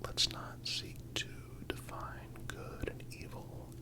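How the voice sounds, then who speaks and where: Slow, hushed ASMR whisperer. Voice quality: breathy, unvoiced whisper. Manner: soothing, measured, deliberate. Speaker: ASMR narrator. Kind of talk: scripted philosophical ASMR narration.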